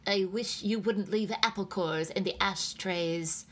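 A woman's voice: mid-range voice, unhurried, a bit bright. A woman reader voicing a curt, irritable husband complaining in an audiobook story. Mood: slow, grumbling. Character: grumbling, irritable husbands heard over a radio. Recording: clear background noise.

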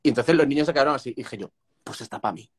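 A young man from Málaga, a guest on a video chat, telling anecdotes in an expressive, animated way from a room at home over his phone. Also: medium pitch, very fast, husky. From Málaga, southern Spain. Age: young adult. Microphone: phone at arm's length on a video call.

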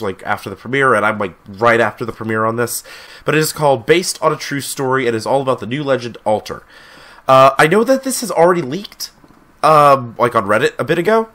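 A man's voice: medium pitch, fairly bright tone. A young man hosting a casual reaction video from a small home studio on a gaming headset, chatty and enthusiastic, getting over a cold. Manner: chatty, enthusiastic, uses lots of fillers. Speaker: YouTube reaction host.

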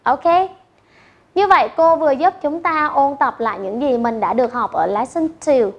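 A woman's voice: high voice, animated, moderate pace, lo-fi sound. A Vietnamese-accented woman teaching English to young pupils, repeating each phrase twice and switching between English and Vietnamese. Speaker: primary school English teacher. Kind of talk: bilingual classroom teaching.

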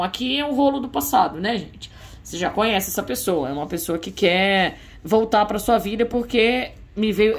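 A woman giving a casual tarot reading, soft and musing, with frequent fillers. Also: a little high. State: tearful. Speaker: tarot reader.

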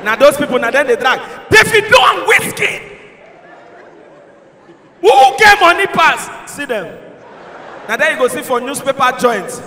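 A young Nigerian man on a big stage with a handheld mic, delivering lively stand-up in Pidgin and shouting out the punchlines. His voice sits very high and rings bright, carried by the long, roomy echo of a large concert hall. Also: measured pace, pauses often, a little hiss or hum. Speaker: stand-up comedian. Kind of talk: stand-up comedy set. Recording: echoey hall, crowd faintly behind.

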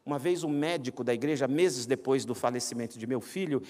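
A middle-aged pastor with a Brazilian Portuguese accent and a mid-range voice preaches a humorous sermon at a brisk pace in a large church sanctuary, where the hall reverb is audible. Animated and self-mocking, he tells personal stories and acts out the voices of the people in them.

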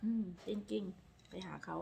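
A woman's voice: slow, mellow, slight background noise. A woman from Northeast Thailand, chatting casually and rambling a bit to camera in her vlog. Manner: chatty, rambling, refers to herself by name. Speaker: vlogger. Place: home in Texas.

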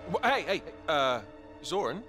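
An actor playing a wry, cynical rogue adventurer in a video game cutscene. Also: male voice, on the high side, sing-song, unhurried. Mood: nervous bargaining. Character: wry, cynical male rogue adventurer, bargaining under threat. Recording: loud dramatic music behind.

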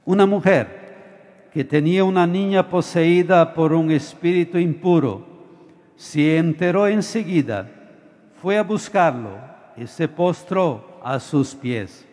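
An older man, a bishop, reading the Gospel aloud at Mass in a slow, measured manner into a stand microphone at an outdoor altar. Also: a little high, a little mellow. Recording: reverberant public address sound.

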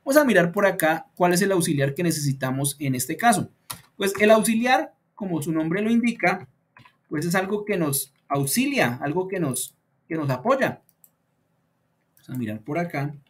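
A man teaching beginner English online thinks aloud as he revises his slides, with frequent fillers like "pues" and "entonces." His high-pitched, expressive voice slows deliberately on example sentences so learners can hear the intonation.

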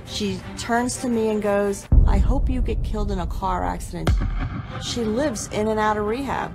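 A middle-aged woman speaks to an off-camera interviewer, seated indoors and recounting events in a weary, matter-of-fact way. Her voice sits at an ordinary pitch while music plays clearly behind her. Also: moderate pace. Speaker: guest, mother. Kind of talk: taped personal testimony.

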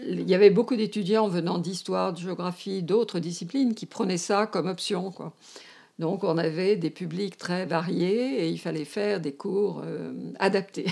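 Seated in a domestic room for a filmed interview, an emeritus anthropology professor from France, in her seventies or older, reflects on her academic career. She has a northern French, Parisian accent and searches hesitantly for words, speaking a little slowly in a low, gravelly, mellow voice with fairly even intonation.

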